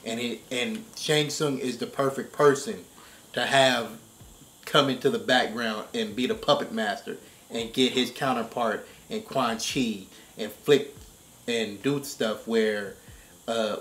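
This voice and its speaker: A man giving casual commentary in a discussion, explaining his points and often checking in with a quick "right?". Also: mid-range voice, steady tone, fairly bright tone. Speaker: reaction show commentator. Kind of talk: casual discussion of game story.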